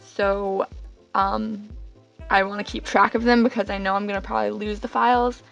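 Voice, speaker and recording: Hoarse young woman rambling over soft music. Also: mid-range voice, little pitch movement, moderate pace, muffled recording. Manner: rambling, filler-heavy and self-deprecating. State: hoarse, getting over being sick. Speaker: bullet journal vlogger. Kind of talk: casual voice-over narration.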